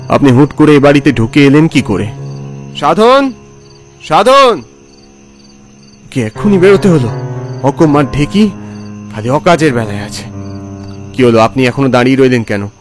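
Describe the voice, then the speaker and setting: A man's voice: mid-range voice, lively intonation, soft background music, close to an everyday voice. An actor playing a brooding middle-aged man who narrates a dramatic ghost story haunted by a lost first love. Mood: curt, irritated. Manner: slow, brooding, theatrical.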